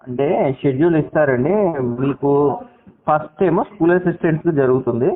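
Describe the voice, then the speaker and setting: A man's voice: on the high side, fairly quick, crowd noise. A man politely explaining official information as helpline staff on a recorded phone call.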